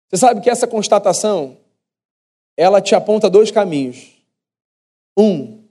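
A Brazilian preacher with a mellow, warm voice that sits a little high for a man. He tells his story in a conversational way and speaks the thoughts of its people as if they were his own. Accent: Brazilian Portuguese. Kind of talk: sermon.

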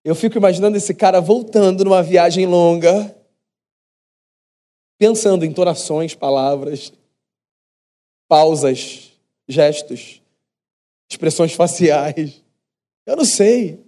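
A man's voice: a little high, steady tone, takes it slowly, pauses often, warm tone. A man with a Brazilian Portuguese accent, preaching a sermon in a conversational storytelling way, slipping into the inner voices of the people in his story.

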